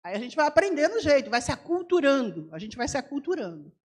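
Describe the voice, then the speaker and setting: A woman missionary speaking in a church service, telling her story with lively voice imitations. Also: sits high, fast. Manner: animated storyteller, mimics voices of locals. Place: church sanctuary.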